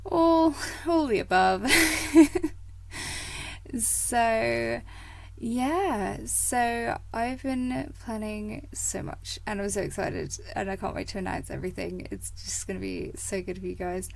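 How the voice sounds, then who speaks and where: Slow, gravelly-voiced woman podcast host. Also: medium pitch, dry recording. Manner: chatty and rambling, many fillers and laughs. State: croaky from a coming cold. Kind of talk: casual motivational podcast monologue.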